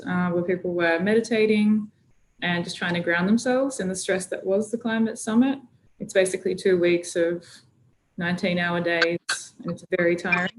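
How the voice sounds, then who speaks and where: A woman activist speaking as a guest on a video call, telling her story in a relaxed, chatty way with plenty of fillers. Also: on the low side, a little hiss or hum, low-quality recording. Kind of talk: casual video-call interview.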